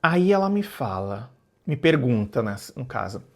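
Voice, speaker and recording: Man, personal storytelling, reflective, measured, rephrases himself. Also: mid-range voice, big pitch swings. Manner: reflective, measured, often repeats and rephrases words.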